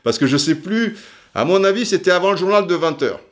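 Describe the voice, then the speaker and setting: A man's voice: high-pitched, lively intonation, a little fast. A man in his forties from France, hosting a podcast and telling a long personal story in a chatty, digressive way with many fillers and restarts. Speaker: podcast host. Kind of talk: casual storytelling monologue.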